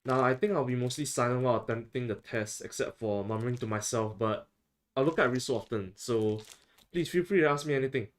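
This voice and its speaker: A man's voice: mid-range voice, brisk. Casual Singaporean man streaming. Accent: Singaporean English. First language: Chinese. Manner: self-mocking, rambling, swears casually. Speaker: VTuber streamer. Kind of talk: casual livestream chat.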